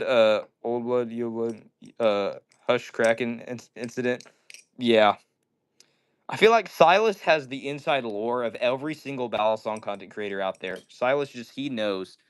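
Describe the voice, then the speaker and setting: Clear-voiced man hosting a casual livestream. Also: mid-range voice. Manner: upbeat slangy greetings, says "dude" and "yo" often. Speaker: live stream host. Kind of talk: casual chat reading viewer messages.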